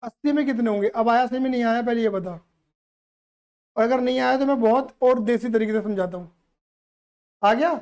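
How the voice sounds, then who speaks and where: A man's voice: very high-pitched, a little fast, long pauses, a little mellow, clear, resonant tone. Playful man quizzing his students. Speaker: accountancy teacher. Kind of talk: live class teaching students.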